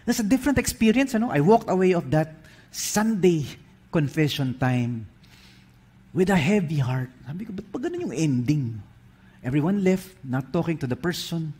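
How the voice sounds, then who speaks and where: A man with a Filipino accent preaching a sermon, telling stories in an animated way while switching between English and Filipino. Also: high voice, moderate pace, husky.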